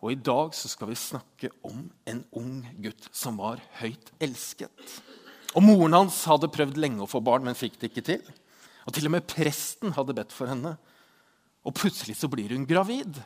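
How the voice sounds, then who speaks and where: A man's voice: medium pitch, animated. A man giving a Bible lesson who reads scripture aloud and explains it in a chatty way, asking the listener questions. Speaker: Bible teacher.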